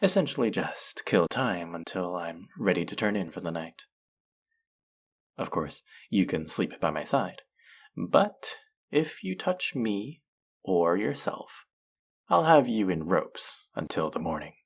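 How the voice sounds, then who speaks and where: In an intimate audio drama, a man plays a male faerie trickster, his low, gravelly voice swinging widely in pitch. He sounds smug and commanding, stretching out his words in a sultry, sing-song way as he teases and mock-scolds like someone firmly in charge. The delivery is heavily acted.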